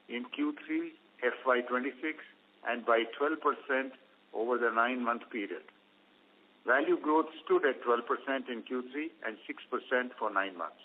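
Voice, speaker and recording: Over a thin, phone-like conference line comes a man with an Indian accent and a medium-pitched voice. He presents company results from a script. His delivery is formal and measured, set out phrase by phrase like an executive reading to investors. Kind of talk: scripted earnings call presentation. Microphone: conference call line. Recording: phone-like, narrow-band conference call line.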